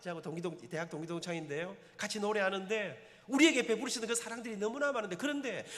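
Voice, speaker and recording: Middle-aged Gyeongsang man, church elder, very high voice, impassioned testimony, long church reverb. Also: quick pace, a bit bright. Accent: Gyeongsang Korean. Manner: impassioned, emotional storytelling with dialect turns. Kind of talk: testimony sermon. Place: church sanctuary.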